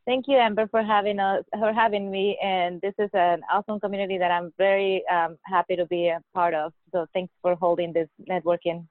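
A woman's voice: lowish voice, flat delivery, brisk, few pauses, no room sound. A woman, a podcast guest who speaks hesitantly and laughs often. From Mexico. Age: 40s. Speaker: guest, nurse anesthetist. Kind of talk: podcast interview. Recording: dry tinny phone-like line.

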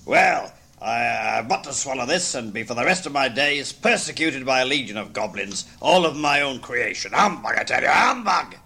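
A man's voice: mid-range voice, expressive, normal speed, gravelly, hardly any pauses, bright, forceful tone, husky, exaggerated voice. A man playing a stubborn old miser who scoffs and then pleads in fear before a ghost, in a theatrical manner. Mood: scoffing.

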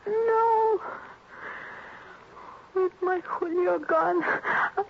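A woman's voice: extremely high pitch, extremely slow, gravelly, exaggerated voice. An actress playing a grief-stricken young woman, gasping and faint, in an old radio drama. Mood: despairing. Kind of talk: 1950s-60s radio drama acting. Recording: dull old radio broadcast.

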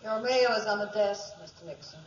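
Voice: mid-range voice, fairly quick, highs cut off, lightly acted. A performer playing a curt, affronted, formal public stenographer, stiff and dismissive, in 1940s radio drama style. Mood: cold anger. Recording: distant, echoey, very noisy old recording.

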